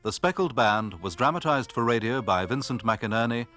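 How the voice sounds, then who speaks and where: A male radio announcer reads the closing credits in a formal, even manner. His voice is bright and forceful, at a middle pitch, with soft violin music playing underneath. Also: moderate pace. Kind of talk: reading the closing cast credits.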